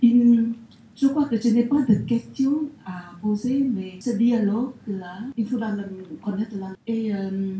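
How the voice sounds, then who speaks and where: A woman's voice: a little high, measured pace, warm tone. An older woman, not a native French speaker, asking from the audience, hesitant and searching for words. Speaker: audience member. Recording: echoey hall, distant mic, faint noise.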